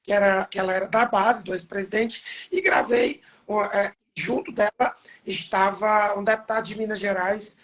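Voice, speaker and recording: A man hosting an interview as a nurse, hoarse from losing his voice, talking in an earnest, rambling way with restarts. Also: high-pitched, fairly even intonation, moderate pace, fairly bright tone. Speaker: nurse and host. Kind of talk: casual interview talk.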